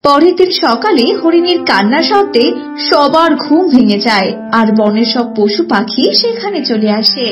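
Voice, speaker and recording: A woman's voice: sits high, animated, moderate pace, over music. A woman narrating a scripted children's story.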